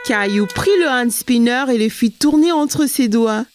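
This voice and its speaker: Female cartoon narrator: gentle, clear storybook delivery, a bit high, faint music behind. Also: expressive, measured pace. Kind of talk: scripted storybook narration for small children.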